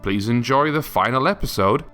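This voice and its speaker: A man reading a scripted podcast introduction as host, in a measured, polite manner. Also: medium pitch, expressive, sharp tone. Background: guitar music.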